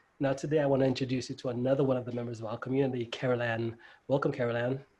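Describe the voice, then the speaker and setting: A man talks very fast in a monotone, flat way. His tone is dark and mellow and somewhat breathy. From Saint Lucia. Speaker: podcast host. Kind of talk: interview.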